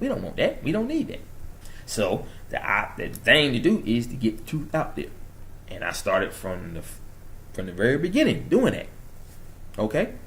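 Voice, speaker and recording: A man with an American accent speaks in an animated tone at a moderate pace, leaving long, frequent pauses, with audible room echo. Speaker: YouTube mystery channel host. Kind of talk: casual monologue to camera. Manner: animated, hyped up.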